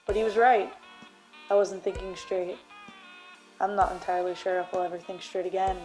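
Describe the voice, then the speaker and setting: A woman playing a brooding, grieving detective, melodramatic and deadpan, in a radio noir parody. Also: mid-range voice, normal speed, soft background music, lightly acted, poor audio. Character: brooding, hard-boiled detective grieving a partner, wryly melodramatic.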